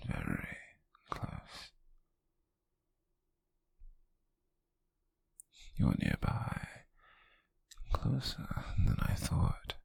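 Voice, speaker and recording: A British man playing an obsessive, menacing stalker in an ASMR roleplay, whispering in a teasing, possessively tender way with a breathy, gravelly voice. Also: very deep voice, darkish tone, no echo, exaggerated voice. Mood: hunting, playful menace. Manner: slow, lingering, teasing and menacing. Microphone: very close, dry microphone.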